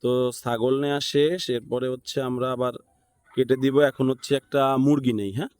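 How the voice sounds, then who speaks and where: A man with a Bangladeshi accent talks through a tutorial step by step in a mid-range voice. He is casual and unscripted, thinking out loud as he works and often tacking on a short question to check in. The sound is dry, with little room echo. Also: mid-range voice, fairly even intonation, brisk. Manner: thinks aloud, often seeks agreement with short tag questions. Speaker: tutorial instructor.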